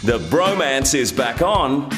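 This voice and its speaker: A man's voice: mid-range voice, lively intonation, takes it slowly, long reverb tail, music in the background. A man narrating TV recaps with a punchy, dramatic delivery. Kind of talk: scripted TV voice-over.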